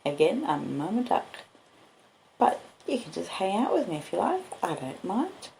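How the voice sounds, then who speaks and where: An Australian-accented podcaster and audiobook reader delivers relaxed live chat and literary storybook reading in a cosy, unhurried storytelling style. Her mid-range voice is gravelly and dark, with big pitch swings. Recorded on basic home gear via laptop and phone mics, the audio has roomy echo and slight background noise.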